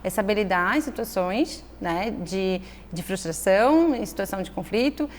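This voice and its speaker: A woman's voice: mid-range voice, animated, normal speed. Thoughtful woman explaining, echoey room. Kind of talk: conversational interview. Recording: echoey room with faint noise.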